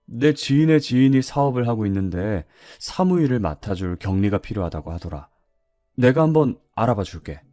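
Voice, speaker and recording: A man voicing a kind high school homeroom teacher reassuring a former student, in a read-aloud story. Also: expressive, fairly quick, warm tone, no echo, faint music behind, natural voice. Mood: gentle.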